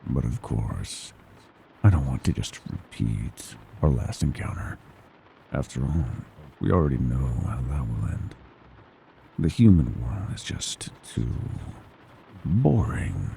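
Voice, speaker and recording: A man's voice: very animated, slow, warm tone, slight background noise, exaggerated voice. A man voicing a gleeful, predatory monster from under the bed in a horror ASMR roleplay, menacing and mockingly tender, savoring his words and slipping into whispers. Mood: hungry, savoring. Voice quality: very deep, gravelly creaking growl.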